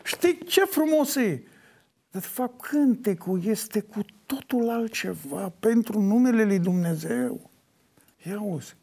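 An older man answering interview questions in an animated way, breaking into sung folk lines as he talks. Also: high-pitched, creaky. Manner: animated, sings folk lines mid-talk. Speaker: folk singer.

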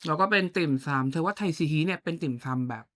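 Woman, low voice, casual podcast chat, slangy, playful, blunt. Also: fast talker. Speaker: podcast co-host.

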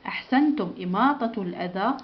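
A woman teacher walks a class of small children through their review, saying each sentence and then saying it again. She praises them often and keeps a patient, steady pace. The recording is dull and lo-fi. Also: medium pitch, quick pace. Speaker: primary school teacher.

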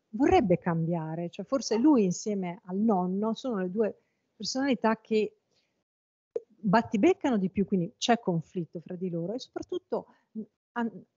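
A woman's voice: medium pitch, warm tone, slightly rough, dry recording, dull audio. A woman from Italy giving an adult education lecture in a thoughtful, hesitant way.

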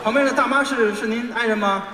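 A man's voice: very high-pitched, fast talker, a crowd in the background. A man performing live crosstalk comedy on stage, teasing and coaxing the audience in a playful way. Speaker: lead comedian in a crosstalk duo. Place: large theater stage. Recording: echoey hall from a distance, loud audience. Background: audience laughter.

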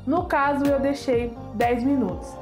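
A chatty woman in her thirties from Brazil, reviewing hair products to camera with a high, bright voice. She talks with easy enthusiasm and pokes fun at herself, recorded on a lapel mic in a small home studio. Soft music plays faintly underneath. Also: unhurried.

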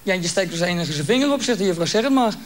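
Brief: male joke teller, fairly high voice, casual and chatty delivery. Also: lively intonation, quick pace. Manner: chatty, colloquial storytelling. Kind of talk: stand-up joke telling.

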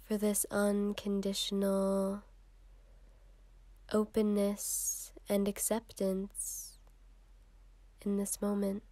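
A woman leading a guided meditation in a soft, soothing, unhurried way with long pauses, breathy at times. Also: medium pitch, completely flat delivery, no echo.

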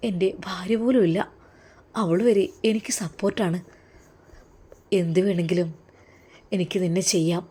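A woman voicing a tender, devout Arab man who speaks softly and earnestly to a young woman. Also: on the low side, slightly rough. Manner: soft, hushed, pleading.

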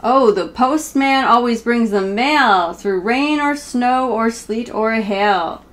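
A woman's voice: on the high side, slow pace, fairly bright tone. A woman in her thirties reading a picture book aloud to children, informally and speaking straight to her young listeners. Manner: informal, self-interrupting, speaks directly to young viewers. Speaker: children's story reader. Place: small room at home, indoors.

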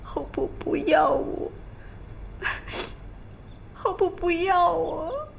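A woman's voice: very high voice, sing-song, normal speed, fairly bright tone, a little hiss or hum, heavily acted. An actress playing a headstrong, lovesick young lady of a rich family in a period TV drama, tearful and demanding. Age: young adult. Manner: tearful and demanding, pleading then scolding.

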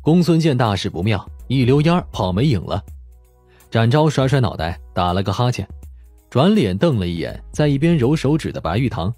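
A male storyteller reads scripted fiction. His pitch moves a lot and his voice has a husky grain. Soft music plays behind him. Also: very animated, normal speed, no room sound. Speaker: audiobook narrator.

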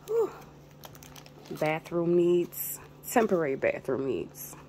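A woman's voice: lowish voice, huge pitch swings, slow pace, warm tone. A woman vlogger giving a casual show-and-tell narration, recorded indoors on a handheld phone. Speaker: vlogger, channel host. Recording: noticeable background noise on phone recording.

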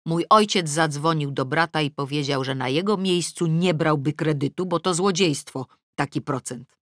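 A middle-aged woman reading a novel aloud in the first person, with wry, lively comic timing. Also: sits low, moderate pace, no echo, studio quality. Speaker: audiobook narrator. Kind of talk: first-person audiobook narration. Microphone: close studio mic.

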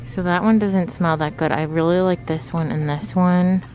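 Speaking at a normal speed in a lowish, steady voice, a woman in her thirties wears a mask as she films herself shopping. Her relaxed, thinking-aloud narration comes through a handheld phone in a noisy indoor store.

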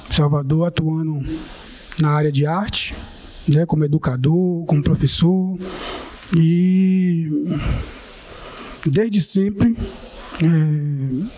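A man's voice: a little high, dark tone. A man in his forties with a Bahian Portuguese accent, speaking earnestly and informally as a seated panelist, often adding a questioning tag. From Bahia, Brazil. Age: 40s. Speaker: panelist, social assistance coordinator. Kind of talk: panel talk, personal account. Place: indoor studio panel, seated among guests.

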